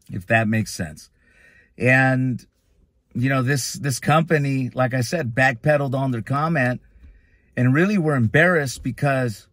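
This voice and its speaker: A man's voice: mid-range voice, fairly bright tone, no echo. A man with a Chicano accent talking candidly and casually to his viewers about his business, blunt and conversational with the odd swear word. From Northern California. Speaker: lead-generation business owner. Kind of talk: casual talk to camera.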